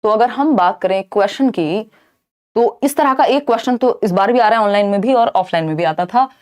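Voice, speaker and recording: A woman's voice: mid-range voice, a little fast, darkish tone. A young Indian woman giving an exam-prep lecture, explaining in Hindi with English terms and answering her own questions. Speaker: teacher.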